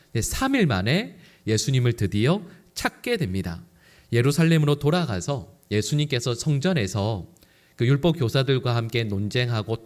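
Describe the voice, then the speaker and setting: A male pastor preaching a Sunday sermon in church, asking his congregation rhetorical questions and acting out quoted lines. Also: medium pitch. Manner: animated, acts out quoted lines. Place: church sanctuary.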